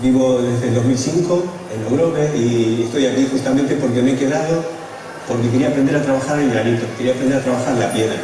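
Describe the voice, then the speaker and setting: A sculptor from Uruguay, answering interview questions in an enthusiastic, admiring way. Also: male voice, mid-range voice, quick pace, a crowd in the background. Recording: echoey distant recording, long reverb.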